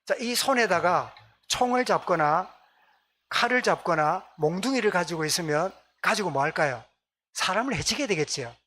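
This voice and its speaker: A man's voice: high voice, expressive, moderate pace, bright, forceful tone. Gyeongsang pastor quizzing his congregation. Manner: asks the congregation questions and repeats answers. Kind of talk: sermon. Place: church sanctuary.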